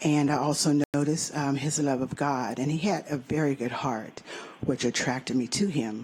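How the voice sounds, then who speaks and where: Very deep, low female voice, a fairly unhurried pace, and audible noise behind it. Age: 60s. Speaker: character witness at a clemency hearing. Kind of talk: testimony. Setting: public hearing room with microphone. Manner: halting, with many fillers.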